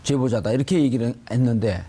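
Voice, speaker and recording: A man's voice: medium pitch, fast, mellow, breathy edge. A man hosting a political news panel, putting pointed questions to the guests. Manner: probing, poses pointed questions. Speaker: host.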